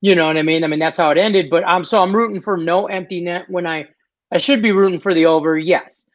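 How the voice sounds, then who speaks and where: A man's voice: sits high, fairly even intonation, fast, no room sound. A man co-hosting a podcast, talking sports bets in a blunt, wisecracking way. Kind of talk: casual betting talk. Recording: dull, dry mic sound.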